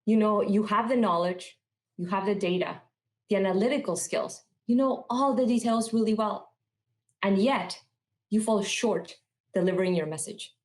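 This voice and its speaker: A woman from Peru giving a rehearsed conference talk in a measured, earnest storytelling manner. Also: medium pitch. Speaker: conference speaker. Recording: roomy echo.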